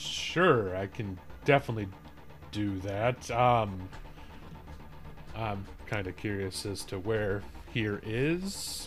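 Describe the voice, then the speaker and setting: A man puts on a character voice with a fairly low pitch, speaking at a very slow pace. Long, frequent pauses break up his speech over clear background noise. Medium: actual play. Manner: polite, uncertain, self-deprecating.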